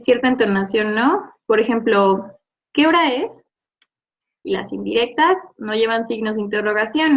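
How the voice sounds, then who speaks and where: Patient woman teacher reviewing a lesson, slightly high voice, dull recording. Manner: patient, explains with examples and checks with "¿no?". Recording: dull lo-fi audio.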